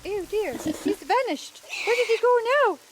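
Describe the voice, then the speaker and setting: A woman voicing a fussy, excitable storybook monarch in a puppet show, bossy and full of exclamations. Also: extremely high pitch, unhurried, background noise. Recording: puppet show with music behind.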